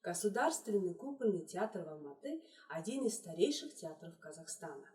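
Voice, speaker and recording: A woman teaching a children's English lesson, slowly repeating each word in three languages. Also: fairly low pitch, sing-song, warm tone. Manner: slow, deliberate, repeats words in three languages. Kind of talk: trilingual video lesson for children. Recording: echoey room, voice distant from mic.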